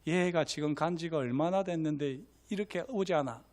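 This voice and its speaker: A man's voice: a little high, normal speed, lightly acted. Man doing a stern scolding mother. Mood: annoyed. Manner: scolding, sharp. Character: stern, hot-tempered mother.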